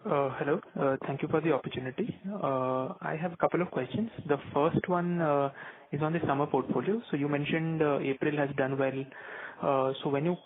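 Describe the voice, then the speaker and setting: A man's voice: on the high side, fairly quick. A man asking questions as a financial analyst on an earnings call. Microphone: phone line. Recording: tinny phone conference line.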